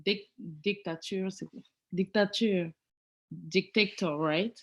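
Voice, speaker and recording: A woman's voice: mid-range voice, slow, muffled recording. A young woman from the Democratic Republic of the Congo, speaking as a student ambassador on a panel, stopping now and then to find her English words. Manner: searches for English words, restarts phrases. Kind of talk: panel self-introduction.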